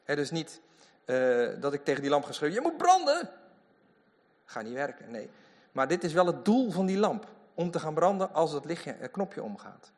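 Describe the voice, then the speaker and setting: A man preaching a lively sermon in a church, full of emphatic asides. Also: fairly high pitch, moderate pace. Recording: long hall reverb.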